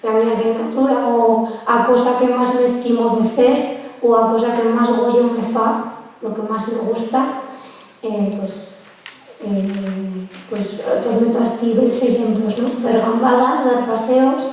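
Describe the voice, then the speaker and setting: A woman's voice: on the high side, fairly even intonation, slow pace, a little mellow, slight background noise. A woman in her twenties from Aragon, giving a chatty talk and mini language lesson with many fillers and restarts. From Aragon, Spain. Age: 20s. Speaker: guest speaker teaching a minority language. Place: lecture room. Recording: echoey hall, distant from the mic.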